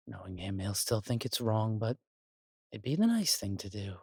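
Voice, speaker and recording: A man's voice: fairly low pitch, big pitch swings, measured pace, darkish tone, husky, dry recording, clean studio sound, full character voice. A man playing a chatty, fussy angel in an audio drama, with theatrical, musing asides. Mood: dreamy, musing. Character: chatty, fussy, coffee-loving male angel, teasing elder brother.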